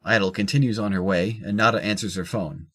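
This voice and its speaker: Low-pitched audio drama narrator. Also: fairly even intonation, fairly quick, fairly bright tone. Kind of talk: scripted narration of stage action.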